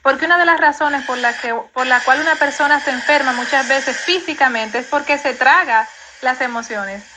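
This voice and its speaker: A woman therapist calmly explaining emotions and grief in an interview, in a reassuring, explanatory way. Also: high-pitched, moderate pace, hardly any pauses, background noise.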